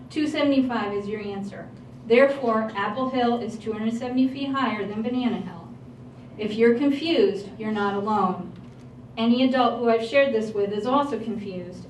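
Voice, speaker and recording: A woman's voice: mid-range voice, darkish tone. A woman reading a prepared statement at a public hearing in an earnest, pleading manner. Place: large hall at a public hearing. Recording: roomy hall, voice from a distance, faint noise.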